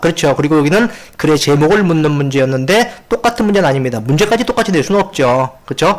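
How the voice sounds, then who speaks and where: A man speaks at a very fast pace, his pitch swinging very widely. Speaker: Korean language teacher, exam prep instructor. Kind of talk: lecture. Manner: halting, many fillers.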